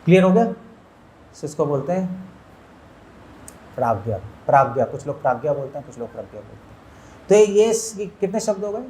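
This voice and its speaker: A man's voice: high voice, expressive, normal speed, long pauses, dark tone, a little hiss or hum. A man, a monk, giving a spiritual lecture to an audience, asking them questions and mixing in English words. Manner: asks listeners questions, mixes in English words.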